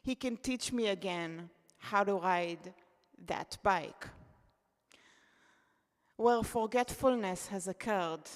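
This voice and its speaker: An Israeli woman whose first language is Hebrew reads her own essay as a contributor at a poetry event. Her mid-range voice stays unhurried, measured and reflective, while a long reverb from the event hall trails behind it.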